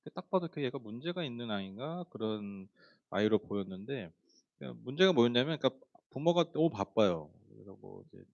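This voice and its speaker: A man's voice: medium pitch, lively intonation, fairly quick, vocal fry, lo-fi sound. A man preaching a sermon, telling a story in a chatty way with many fillers and speaking directly to the congregation. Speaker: pastor.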